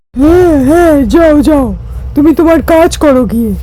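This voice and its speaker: A woman's cartoonish character voice, high-pitched, at a moderate pace. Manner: homely, affectionate, talkative.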